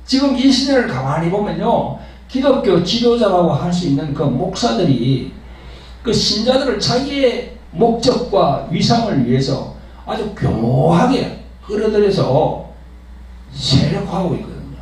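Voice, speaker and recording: A man's voice: high voice, very animated, a little slow, a little mellow, far from the mic. A man preaching a sermon as pastor, emphatic and full of rhetorical questions, addressing the congregation and online subscribers. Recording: echoey hall, voice from afar.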